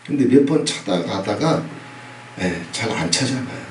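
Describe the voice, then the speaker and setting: Korean pastor preaching in an echoey church. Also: male voice, on the low side, animated, normal speed. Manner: emphatic preaching with repeated "예?" prompts and sudden loud bursts. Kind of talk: sermon. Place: church sanctuary. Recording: echoey hall, from a distance, faint noise.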